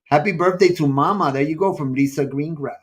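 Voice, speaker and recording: A man's voice: on the high side, a little fast, a crowd in the background. A man hosting a live online interview show, chatting casually and exclaiming and repeating his phrases. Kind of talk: casual chat with guest and online audience.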